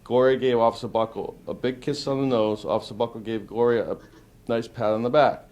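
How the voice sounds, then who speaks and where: A man's voice: mid-range voice, steady tone, fairly quick, darkish tone. A man who is a police officer, reading a picture book aloud to children. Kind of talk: children's storybook read-aloud.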